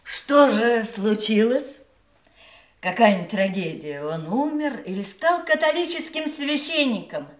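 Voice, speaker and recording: A woman's voice: fairly high pitch, sing-song, measured pace. An actress playing a sardonic, mocking woman in an audio drama, with sarcastic theatrical emphasis. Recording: roomy, echoing studio sound.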